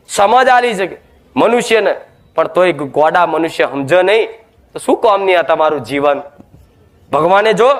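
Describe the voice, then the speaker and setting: Man, high voice, devotional sermon, scolding, rhetorical questions. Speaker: preacher at a goddess shrine.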